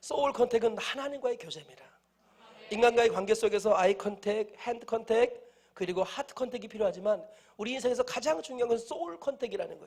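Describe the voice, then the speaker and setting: A man talks very fast at an extremely high pitch, with ordinary pitch variation and big swings in loudness. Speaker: guest pastor. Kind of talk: sermon. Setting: church service.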